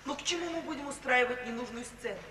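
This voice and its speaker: An actress playing a resolute, independent young daughter in a 1950s radio play, brisk, firm and formal. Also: female voice, high voice, crowd noise, close to an everyday voice. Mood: cold, resolute. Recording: echoey, distant old radio recording, hiss.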